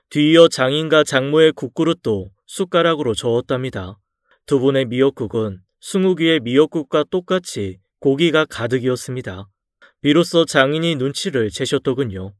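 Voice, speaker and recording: A man narrating a dramatized true story in a calm, confessional first-person way. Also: mid-range voice, dry recording, studio quality.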